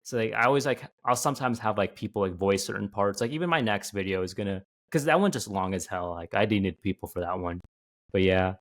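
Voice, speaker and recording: A man's voice: fairly low pitch, lively intonation, brisk. A man co-hosting a casual podcast chat, speaking loosely with many fillers and trailing sentences. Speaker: podcast co-host and video creator.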